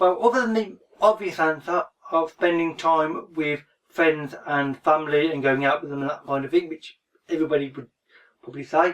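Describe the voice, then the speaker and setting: The speaker has a Birmingham accent. The pace is moderate. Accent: Brummie. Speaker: book vlogger. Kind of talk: casual Q&A vlog.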